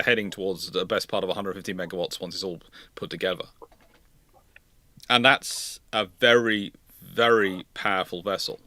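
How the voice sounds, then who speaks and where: A man with a fairly low, bright and forceful voice gives off-the-cuff expert commentary. He circles back to correct himself and repeats key points with emphasis. The sound is very dry. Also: no room sound. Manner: hesitant self-correcting, emphatic repetition. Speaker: host. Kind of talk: unscripted expert commentary on naval ships.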